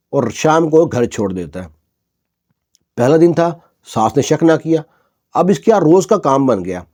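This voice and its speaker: A man narrates a dramatic story in a relaxed, conversational way. His voice is mellow and dark, at an ordinary middle pitch, with frequent emphatic asides.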